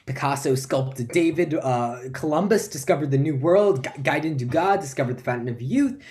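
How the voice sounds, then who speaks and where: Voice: medium pitch, expressive, moderate pace, a little mellow, natural voice. A performer playing a flustered, forgetful lecturer who stammers and repeats words through a comic stage monologue. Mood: rambling, unsure.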